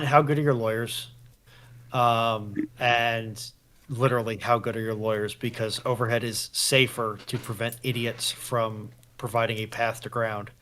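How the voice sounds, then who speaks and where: A man with a bright, sharp-edged voice of medium pitch. He explains technical points casually on a panel, deliberate and emphatic as he goes.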